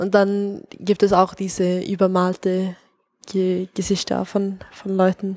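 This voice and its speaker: A woman's medium-pitched voice with a Swedish accent, very slow and flat in a monotone. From Sweden. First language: Swedish (speaking German). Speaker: exchange student. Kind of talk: casual chat. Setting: in a museum exhibition. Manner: halting.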